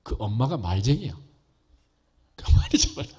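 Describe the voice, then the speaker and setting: A man's voice: fairly low pitch, very animated, moderate pace, a little mellow, breathy edge. A male pastor giving a folksy, conversational sermon, often asking the congregation rhetorical questions.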